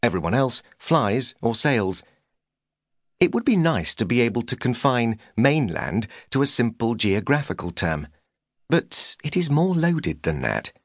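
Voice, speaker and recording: A man's voice: mid-range voice, big pitch swings, unhurried, no echo. A man reading a humorous memoir as an audiobook narrator, with a dry, wry delivery.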